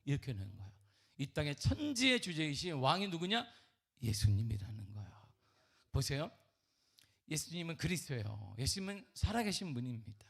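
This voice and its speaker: A man preaching a sermon at a church prayer meeting, with animated rhetorical questions and sudden drops to a near whisper. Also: on the high side, moderate pace, husky. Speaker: pastor. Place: church sanctuary.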